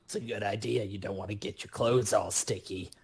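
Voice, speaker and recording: A man's voice: on the low side, steady tone, brisk, gravelly, breathy edge. A man playing a tabletop roleplaying game, speaking in casual in-character banter.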